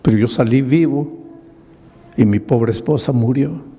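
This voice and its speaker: A broken, remorseful middle-aged drunkard pours out his confession in a pleading voice, as an older pastor acts him out. The voice is husky and mellow. It echoes through a large hall. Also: medium pitch, unhurried. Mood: grieving.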